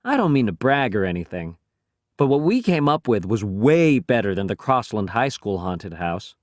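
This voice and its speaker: A man reading a first-person children's story aloud as an audiobook narrator, telling it in an expressive, boyish voice. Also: fairly low pitch, moderate pace, no echo, clean studio sound.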